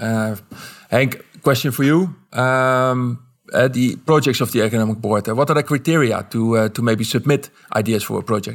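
A man speaks in an ordinary speaking voice at a moderate pace. His pitch is medium, with ordinary variation. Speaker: webinar moderator, investment promotion official. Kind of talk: webinar moderation. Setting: video call.

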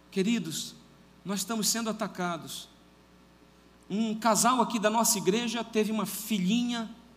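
With audible room echo and noticeable background noise, a man speaks at a high pitch and a moderate pace. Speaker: pastor. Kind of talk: sermon. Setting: church. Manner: animated.

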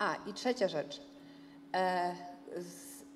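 Audible room echo surrounds a woman as she speaks. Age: 40s. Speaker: pastor. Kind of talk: sermon. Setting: church.

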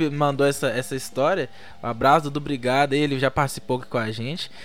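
A man's voice, fairly high in pitch. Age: 20s. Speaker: radio host. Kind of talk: casual chat.

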